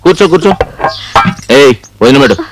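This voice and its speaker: A man's voice: mid-range voice, expressive, fairly quick, music in the background, natural voice. An actor playing a middle-aged village father who blusters and coaxes by turns, in film dialogue. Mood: blustering. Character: doting village father, gruff yet affectionate.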